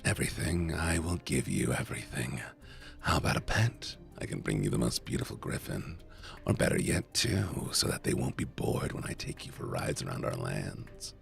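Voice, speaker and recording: A man voicing a sly, adoring, unhinged male jester with a velvety voice, low and hushed, slipping into a whisper. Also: expressive, normal speed, gravelly, soft background music, heavily acted.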